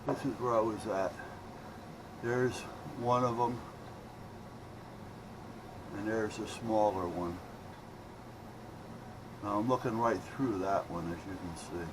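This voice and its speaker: Man, middle-aged or older, lowish pitch, rambling repair vlog, thinking aloud, noisy humming recording. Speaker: electronics repair hobbyist showing his work. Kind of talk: casual unscripted repair vlog.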